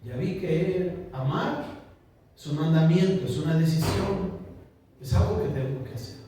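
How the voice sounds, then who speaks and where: Man, pastor, high voice, joking conversational sermon, recorded from afar in a reverberant church. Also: animated, unhurried. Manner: chatty, asks the congregation questions, jokes. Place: small church. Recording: echoey church room, distant mic, faint noise.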